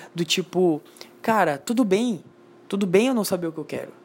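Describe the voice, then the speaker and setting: The pitch is medium. It belongs to a woman. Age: 20s. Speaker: podcaster. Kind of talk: solo monologue podcast. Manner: halting.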